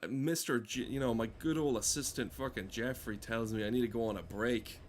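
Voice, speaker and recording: Guy rambling over a video game, deadpan and sweary, bit of noise behind him. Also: mid-range voice, fairly quick. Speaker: gameplay streamer. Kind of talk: rambling comedic game commentary.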